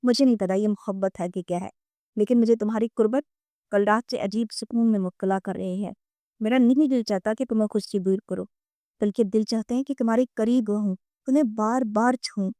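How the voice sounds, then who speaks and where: A woman's voice: medium pitch, mellow, no room sound, lightly acted. A woman reading the part of a brooding, irritable husband who speaks bluntly. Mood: serious. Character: man, brooding wealthy husband.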